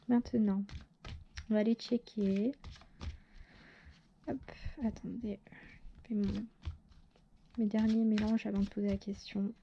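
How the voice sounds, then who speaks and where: A woman's voice: on the high side, lo-fi sound, a little hiss or hum. A woman giving a casual tarot reading to her viewers, talking hesitantly with lots of fillers and self-corrections. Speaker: tarot reader.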